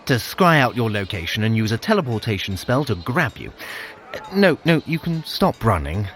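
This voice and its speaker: A man's voice: mid-range voice, sing-song, normal speed, fairly bright tone. A man playing a smug, vain trickster god in an audio adventure, theatrical and condescending as a grudging mentor. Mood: self-satisfied. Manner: theatrical, self-satisfied, condescending. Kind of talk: scripted audio adventure acting.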